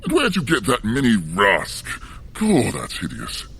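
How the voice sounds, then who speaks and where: An actor playing a nosy, snide male palace servant with a raspy voice in an audio drama. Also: medium pitch, huge pitch swings, unhurried, fairly bright tone, full character voice. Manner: snide, gossipy.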